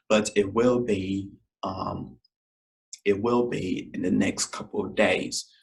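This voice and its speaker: A man with a scratchy, somewhat deep voice hosts his own podcast while feeling unwell. He talks in a loose, rambling way, with lots of "um" and "you guys" aimed at his listeners. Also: vocal fry. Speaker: podcast host. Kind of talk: casual solo podcast outro.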